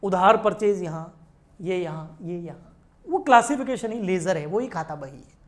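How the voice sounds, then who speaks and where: A woman's voice: fairly low pitch, lively intonation, normal speed. A woman teaching an exam-prep accountancy lecture. She explains patiently, keeps checking that students follow, and addresses them in a familiar way.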